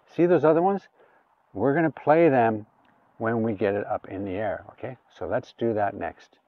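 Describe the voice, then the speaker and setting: A man's voice: lowish voice, normal speed, no echo, far from the mic. A man giving a casual hands-on gadget demonstration, talking through each step aloud in an informal way. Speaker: gadget reviewer. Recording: phone-like, thin sound, off the mic.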